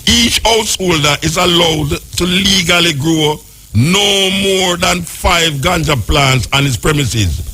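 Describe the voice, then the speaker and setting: A man's voice: a little high, takes it slowly, bright, forceful tone, slight background noise. Jamaican man reading law with patois asides. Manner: reads text then breaks into joking patois commentary. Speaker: radio host.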